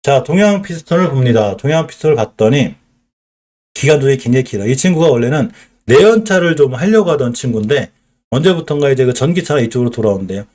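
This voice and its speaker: Here the Chungcheong-accented live streamer is expressive and quick-paced, his mid-range voice a little mellow. The middle-aged man explains stock charts while asking and answering his own questions.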